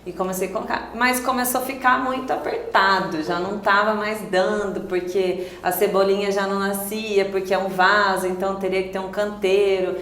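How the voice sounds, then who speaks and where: A woman's voice: medium pitch, steady tone, normal speed, few pauses, a bit bright, roomy sound, a little hiss or hum. A woman restaurant owner as an interview guest, answering hesitantly and searching for words with many fillers.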